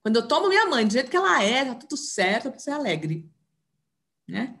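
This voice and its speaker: A woman's voice: on the high side, big pitch swings, brisk, a bit bright, slight background noise. A woman with a Brazilian Portuguese accent giving an informal teaching talk on family systems, often tagging her sentences with little questions. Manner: chatty, tags sentences with questions; acts out dialogue in raised voice.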